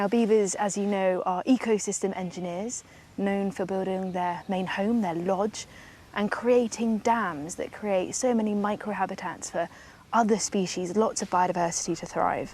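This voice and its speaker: At a moderate pace and medium pitch, a woman speaks with fairly even intonation in a plain, everyday voice. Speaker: wildlife TV presenter. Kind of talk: live outdoor TV presenting. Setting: outdoors by water at a farm.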